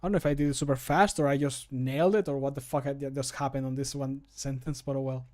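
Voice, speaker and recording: A man's voice: mid-range voice, fairly even intonation, fast, darkish tone. A man in his thirties chatting casually on a livestream, rambling and self-deprecating, with casual swearing. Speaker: streamer and game modder. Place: small room at home, indoors.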